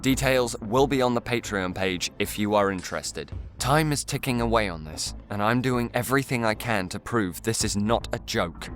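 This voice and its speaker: A man with a fairly low voice speaks to his viewers as a video creator. His delivery is scripted and earnest, with articulate, slightly formal phrasing. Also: moderate pace, hardly any pauses, a bit bright, faint music behind.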